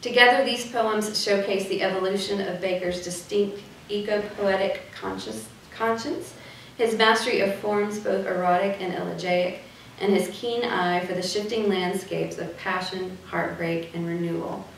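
A woman speaks with fairly even intonation. Audible room echo and light background noise are present. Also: moderate pace. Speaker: arts organization programs director introducing the author. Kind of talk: formal event introduction. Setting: live event with audience. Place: hall.

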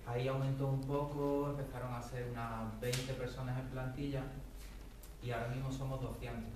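At a moderate pace, a man speaks in a medium pitch with monotone, flat intonation. There is noticeable background noise and audible room echo. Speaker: refugee organization coordinator. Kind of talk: interview answers. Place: classroom.

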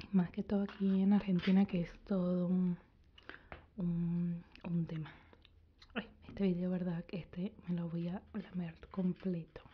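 A woman speaks at a fairly slow pace in a monotone, flat intonation. Long, frequent pauses break up her speech over light background noise. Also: fairly low pitch for a woman. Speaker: ASMR creator. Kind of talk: ASMR video, casual talk to camera. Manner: soft-spoken, low voice, not whispering.

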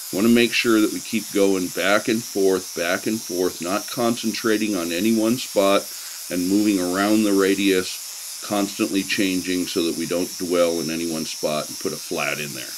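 Against noticeable background noise, a man talks at a moderate pace with hardly any pauses, a fairly low pitch and ordinary pitch variation. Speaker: welding instructor. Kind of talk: tutorial narration.

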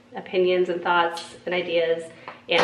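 Behind this recording there is noticeable background noise. A woman's voice comes through over it. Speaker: home vlogger. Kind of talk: casual vlog chat. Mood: cheerful, excited. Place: bathroom. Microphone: phone near.

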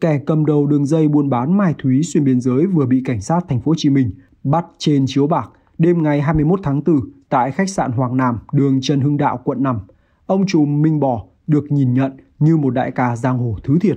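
With a dark, mellow tone and very even loudness, a man speaks at a fairly high pitch and a moderate pace with ordinary pitch variation. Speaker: YouTube narrator. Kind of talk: scripted narration. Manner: formal.

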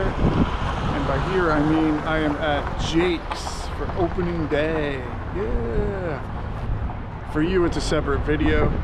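Loud background noise sits behind a man as he talks. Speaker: vintage cast iron reseller. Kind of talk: casual vlog chat. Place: market. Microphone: phone near.

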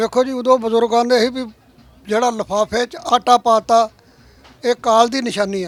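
An extremely high-pitched man speaks with fairly even intonation, recorded dry and close with no echo. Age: 80s+. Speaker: farmer. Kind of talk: interview.

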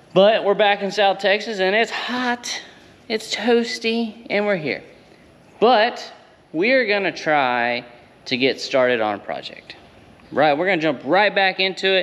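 A high-pitched man speaks at a fairly slow pace, with long, frequent pauses. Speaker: car builder vlogger. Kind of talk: casual vlog chat. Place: workshop. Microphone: phone near.

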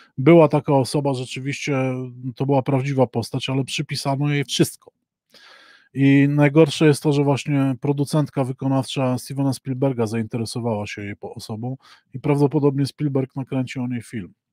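A fairly high-pitched man's voice, dark and mellow in tone, with a dry sound with no echo and a quiet background. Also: fairly even intonation, fairly quick pace. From Poland. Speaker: vlogger; live streamer. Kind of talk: live stream chat with viewers. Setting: live stream. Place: studio. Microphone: webcam.

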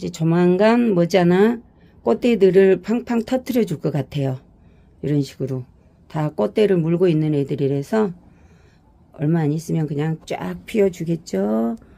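A woman speaks in a dark, mellow tone at a fairly low pitch. Her voice swings very widely in pitch. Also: fairly slow pace. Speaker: gardening video creator. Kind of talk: casual vlog walkthrough. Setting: indoors, plant room at home. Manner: chatty, laughs often. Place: home room. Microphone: phone near.

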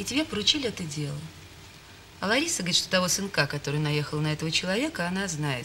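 Over light background noise, a woman speaks very fast at a fairly low pitch with ordinary pitch variation. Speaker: film actress in a role. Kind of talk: acted dialogue, casual gossip. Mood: teasing, curious, lightly provocative. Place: cafe.

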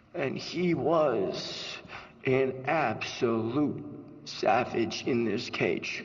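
Against noticeable background noise, a man with a medium pitch and ordinary pitch variation speaks at a very slow pace. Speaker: actor playing a grieving fighter. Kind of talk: raw, confrontational eulogy at a funeral. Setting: funeral in front of mourners. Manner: grief turning into profane, defiant fury; challenging the crowd with taunting pauses.

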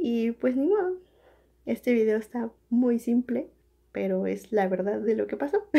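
Speaking fairly slowly with long, frequent pauses, a woman with a Mexican accent has a fairly high pitch, lively intonation and a dark, mellow tone against a quiet background. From Mexico. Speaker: youtuber. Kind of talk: casual vlog. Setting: at home late at night. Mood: light, candid. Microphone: phone near.

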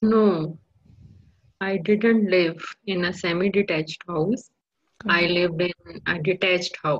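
Speaking at a fairly slow pace, a woman uses a fairly low voice with long, frequent pauses. Her intonation is fairly even. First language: not English. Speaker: English learner. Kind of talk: language lesson practice. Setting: video call. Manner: halting.

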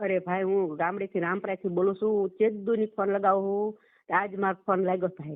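In a flat, monotone intonation, a woman speaks at a medium pitch. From Saurashtra, Gujarat (Surendranagar district). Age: 40s. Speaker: caller. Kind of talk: phone-in complaint. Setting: phone call.

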